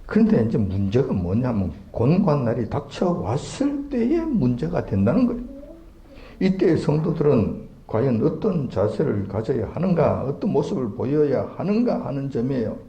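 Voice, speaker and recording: A man preaching a sermon, emphatic and fond of rhetorical questions that swing up in pitch. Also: very animated, moderate pace, warm tone, echoey room, highs cut off.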